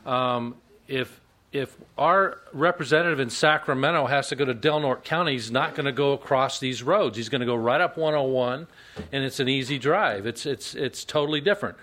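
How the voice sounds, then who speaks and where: A man's voice: mid-range voice, moderate pace, a bit bright. Guy at a public hearing, earnest, keeps repeating himself a bit. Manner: earnest, repeats words while thinking. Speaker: public commenter.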